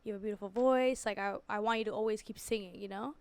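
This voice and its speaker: A woman's voice: mid-range voice, fast. A young woman from Canada, an R&B singer, chatting casually as a podcast guest with many fillers and easy laughs. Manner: relaxed, laughs often, lots of likes and fillers. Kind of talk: casual interview chat. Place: podcast studio.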